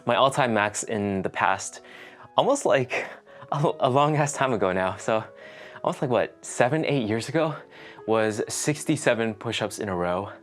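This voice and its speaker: A man's voice: mid-range voice, expressive, moderate pace, soft background music. A man hosting a fitness vlog, chatting casually and thinking aloud in a rambling way. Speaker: host of a fitness challenge vlog. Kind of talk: casual chat to the viewer.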